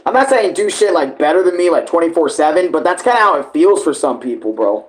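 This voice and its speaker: A man with a somewhat high voice hosts a live reaction. He rambles informally in loose, slangy sentences, swearing casually and talking as if to his friends. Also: expressive, quick pace. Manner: rambling, informal, often addressing others as bro or dude.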